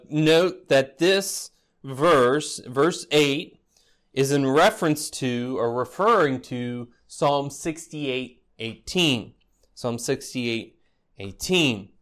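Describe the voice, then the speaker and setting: Somewhat high in pitch, this pastor preaches an expository sermon like a conversational teacher, frequently tossing out rhetorical "right?" questions to the congregation along with a touch of dry, teasing humor.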